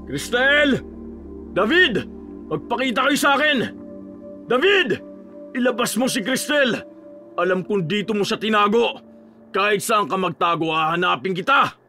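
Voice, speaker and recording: A man voicing a grim young male aswang hunter who speaks low, steady and stern. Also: normal speed, faint music behind, natural voice. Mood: shouting. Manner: low, steady, stern; shouts in a rage when calling out.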